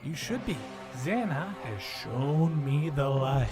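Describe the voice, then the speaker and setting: A man playing a zealous young cult follower in a cartoon parody, speaking in a creepy, calm, grandiose, reverent way. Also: fairly high pitch, slow. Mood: eerily calm. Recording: music behind the voice.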